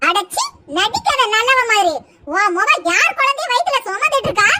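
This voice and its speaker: A woman's voice: very high voice, sing-song, moderate pace. A woman voicing a scornful middle-aged mother who accuses and insults a family. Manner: sneering, accusing. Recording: loud background noise.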